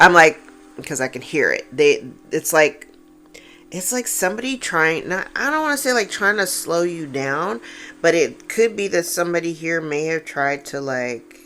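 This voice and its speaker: Over music in the background, the speaker moves at a moderate pace with very wide pitch swings. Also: woman, fairly low pitch for a woman. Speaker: tarot reader. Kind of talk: tarot reading monologue.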